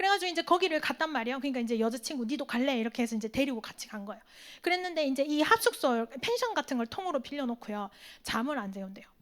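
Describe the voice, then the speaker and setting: Talking at a very fast pace, a woman uses an animated tone and a high pitch that makes very wide swings. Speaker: evangelist preaching to young adults. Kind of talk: sermon. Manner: conversational, animated.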